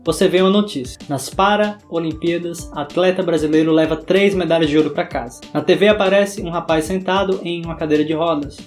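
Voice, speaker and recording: Young guy, high voice, bahian sertanejo accent, dramatic scripted narration, soft guitar behind. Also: brisk, hardly any pauses. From interior of Bahia, Brazil. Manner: dramatic, theatrical delivery. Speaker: book vlogger. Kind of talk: scripted video essay narration.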